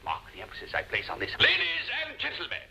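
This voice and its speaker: An actor playing a pompous, self-satisfied husband who loves making grand speeches, in a 1950s television drama. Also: male voice, high-pitched, wildly swooping pitch, moderate pace, background noise.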